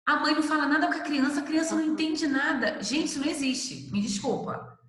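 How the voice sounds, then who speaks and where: A woman's voice: high voice, a little fast, fairly bright tone, reverberant, long reverb tail, rough recording. A woman lecturer giving a conversational class, addressing students by name and asking them questions. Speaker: university lecturer.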